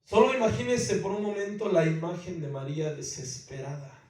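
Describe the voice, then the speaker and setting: A man's voice: a little high, moderate pace, a little mellow. A man preaching a sermon with emphasis to his congregation in a church, calling out to them again and again. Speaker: pastor. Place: church in the United States. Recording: very echoey church hall, mic far off.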